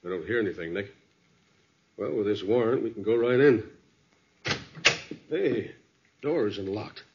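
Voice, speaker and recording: An actor playing an earnest, matter-of-fact police sergeant with colloquial talk, in 1940s radio style. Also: male voice, fairly low pitch, a little slow. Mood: wary. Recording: noisy, muffled old radio recording.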